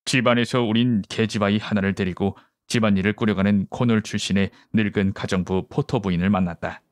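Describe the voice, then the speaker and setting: A man reading a mystery story as an audiobook narrator in a measured, literary way, recorded at home. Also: lowish voice, no echo, studio quality.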